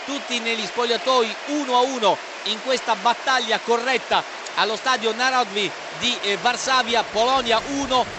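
A man's voice: very high voice, normal speed. Breathless man commentating over a roaring crowd. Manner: breathless, excited, stretched-out shouts. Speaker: football commentator. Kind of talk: live Italian goal commentary. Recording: roaring crowd, very noisy broadcast. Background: roaring stadium crowd.

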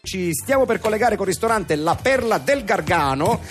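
A man's voice: high voice, expressive, normal speed, a bit bright. A man hosting a radio show, teasing and laughing as the straight man to a comic guest. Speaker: radio host. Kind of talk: comedy radio chat. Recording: radio studio with music behind.

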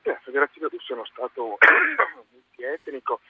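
A man speaking as an expert guest in a phone interview, explaining in a measured way with pauses mid-phrase. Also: medium pitch, wildly swooping pitch, background noise. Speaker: university lecturer, expert guest. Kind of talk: live phone interview commentary. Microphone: telephone. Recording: narrow tinny phone line.

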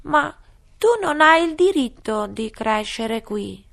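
A woman voicing a sleepy, peevish little dormouse who complains in a high voice. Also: lively intonation, takes it slowly, creaky, a bit bright, exaggerated voice.

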